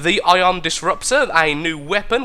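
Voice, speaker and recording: The speaker is a man with a British accent. His pitch is high and his pace moderate. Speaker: gaming video creator. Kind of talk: game update guide narration.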